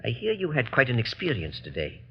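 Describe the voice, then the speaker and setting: An actor playing a mocking, fearless concert pianist in a 1930s radio drama, on a dull old broadcast recording. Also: male voice, mid-range voice, huge pitch swings, fairly quick, breathy edge. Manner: mocking, sardonic.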